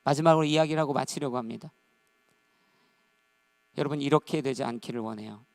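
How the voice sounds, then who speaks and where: A man preaching a sermon as pastor, animated and acting out the voices in his stories. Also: mid-range voice, a little fast, creaky, dry recording. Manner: animated, acts out quoted voices.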